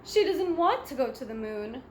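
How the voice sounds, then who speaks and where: A woman reading a children's storybook aloud in a deliberate, simple way for young listeners. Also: sits high, very animated, a little mellow. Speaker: storybook read-aloud reader. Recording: echoey room with faint background noise.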